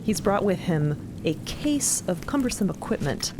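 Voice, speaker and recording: A woman's voice: mid-range voice, big pitch swings, moderate pace, background noise. A woman narrating a scripted fiction podcast in a conversational, storytelling style.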